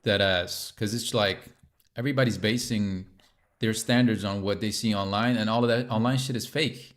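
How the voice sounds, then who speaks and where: A man's voice: fairly low pitch, steady tone, moderate pace. A young man hosting a casual interview, laid-back and joking with slangy asides. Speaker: podcast host.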